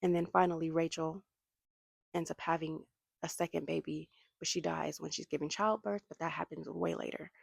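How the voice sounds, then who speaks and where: A woman's voice: low voice, fairly even intonation, moderate pace, creaky, no echo, studio quality. A woman vlogger, casually recapping a Bible study outdoors and acting out the characters' lines as she goes. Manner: chatty, retells with quoted voices. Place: outdoors near traffic.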